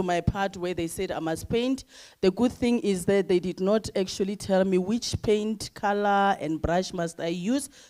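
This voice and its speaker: Fairly slow pace with ordinary pitch variation. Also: woman. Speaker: teacher and district support official. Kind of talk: conference presentation. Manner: loud.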